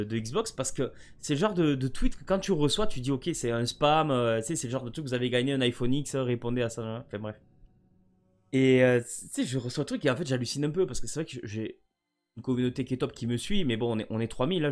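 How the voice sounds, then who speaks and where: A French man chatting casually to camera about a gift, often rambling and stammering over his words. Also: medium pitch. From France. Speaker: gaming vlogger.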